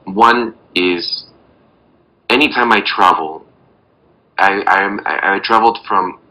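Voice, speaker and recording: A man's voice: low voice, takes it slowly, bright, forceful tone, low-quality recording. A young man from Mexico, chatting as a podcast guest over a video call, rambling and hunting for words with lots of fillers. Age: young adult.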